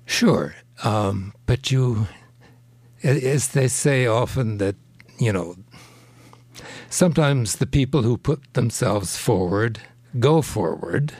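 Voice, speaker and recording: A man, a translator, speaking hesitantly with many pauses and ums in an interview. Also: mid-range voice, lively intonation, darkish tone, husky, no echo. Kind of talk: radio interview.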